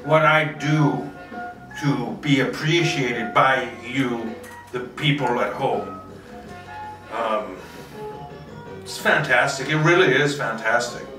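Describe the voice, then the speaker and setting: A man's voice: mid-range voice, takes it slowly, long pauses. A man hosting a solo video, rambling casually in a theatrical, self-mocking, sweary way. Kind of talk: rambling casual monologue to camera. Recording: roomy echo, distant mic, faint music.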